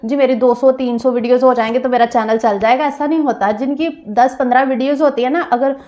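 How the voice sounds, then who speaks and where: A woman vlogger with a slightly hoarse throat, chatting casually to viewers in a small store room and repeating her points. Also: high voice, steady tone, fast talker, a little mellow. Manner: chatty, repeats phrases, addresses viewers directly. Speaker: vlogger giving channel tips. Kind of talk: casual vlog talk.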